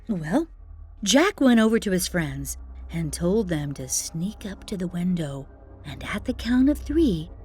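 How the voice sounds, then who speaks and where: A woman hosting a children's storytime, narrating expressively with playful, chatty asides to young listeners. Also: fairly high pitch. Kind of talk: expressive fairy-tale narration. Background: music.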